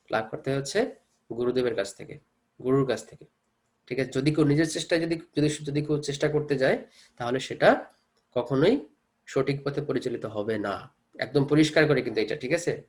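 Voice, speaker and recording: Bengali-accented man teaching scripture. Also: medium pitch. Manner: explains with rhetorical questions, checks in with "thik ache?"; reads verses slowly, chants Sanskrit. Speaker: Gita teacher.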